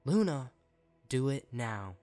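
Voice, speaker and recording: A man's voice: mid-range voice, sing-song, slow, warm tone, voice pushed up. Man voicing a furious, commanding pony princess. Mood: demanding. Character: regal grieving pony princess, stern and commanding. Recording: faint music behind the voice.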